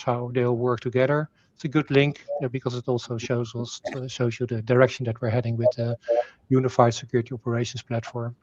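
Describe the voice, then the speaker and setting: A man's voice: medium pitch, no echo. Dutch man explaining, dry dull sound. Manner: explanatory, frequent fillers and restarts, rhetorical questions. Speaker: presenter. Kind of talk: technical presentation.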